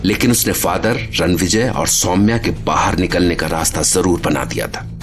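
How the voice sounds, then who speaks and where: A man's voice: low voice, normal speed, soft background music, lightly acted. A man narrating a horror audio drama as a grave, dramatic storyteller.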